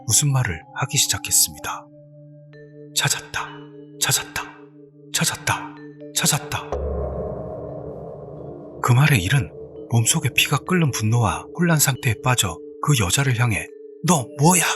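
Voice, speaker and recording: A man in a mid-pitched voice tells a ghost story with dramatic, suspenseful pacing. Eerie background music sits under his narration. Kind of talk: scripted horror narration.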